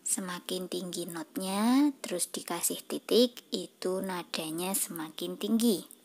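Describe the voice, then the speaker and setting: Slow, soft-spoken woman teacher. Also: fairly low pitch. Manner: slow, patient, addresses children directly. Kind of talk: reading a schoolbook lesson aloud and singing.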